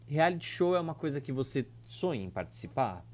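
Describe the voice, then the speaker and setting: A man's voice: on the high side, sing-song, a little fast, darkish tone. A man from Brazil hosting a podcast, chatting with enthusiastic interjections. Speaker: podcast host. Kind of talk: casual interview chat.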